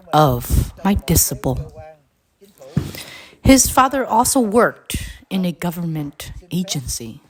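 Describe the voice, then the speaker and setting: A woman with a husky, slightly low voice reads a prepared address aloud. Her pace is very slow and deliberate. She halts between short phrases, setting each one down separately. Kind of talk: scripted read-aloud narration.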